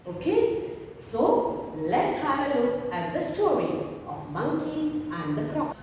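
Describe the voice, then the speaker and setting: A woman's voice: high voice, big pitch swings, unhurried, warm tone. A woman teacher leading a value-education lesson for young children, asking lots of coaxing questions. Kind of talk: online class storytelling lesson. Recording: echoey room, mic far off, faint noise.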